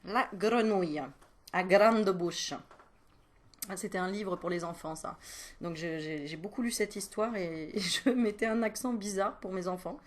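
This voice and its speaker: A woman's voice: medium pitch, moderate pace. A woman doing a casual animal card reading as a medium, chatty and playful, breaking into giggles and self-mocking asides while teasing the viewer. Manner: teasing, talks straight to the viewer.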